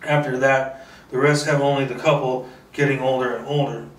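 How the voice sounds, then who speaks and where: A man's voice: mid-range voice, level tone, moderate pace. A man doing an informal table read of a screenplay, narrating the action and sometimes stumbling or repeating words. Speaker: script reader. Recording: roomy echo, distant mic.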